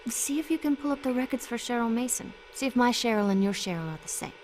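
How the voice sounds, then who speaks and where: A woman's voice: a little high, expressive, fast, a little mellow, a little hiss or hum, close to an everyday voice, poor audio. A woman playing a friendly, casual young woman with a breezy, teasing way of talking in a naturalistic video game style. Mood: breezy, playful. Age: young adult.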